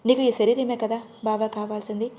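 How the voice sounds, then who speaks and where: A woman's voice: a little high, flat delivery, brisk, dark tone, slight background noise, close to an everyday voice. A woman reading the lines of a hurt but determined young bride who pleads earnestly with her groom. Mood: pleading, hurt.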